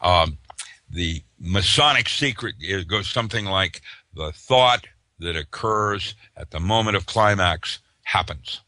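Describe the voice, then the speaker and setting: An older man gives a loose, wandering interview answer. His voice sits low but has a forceful, bright edge, and it sounds close and dry. He keeps stalling on "uh" and restarting his sentences. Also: animated, unhurried, dry recording. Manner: rambling, with many "uh" fillers and restarts. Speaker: interview guest, author and physicist. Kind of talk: casual interview talk.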